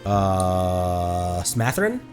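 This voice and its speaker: A man giving casual livestream gameplay commentary, halting as he thinks aloud. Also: low voice, big pitch swings. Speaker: game streamer. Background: game music.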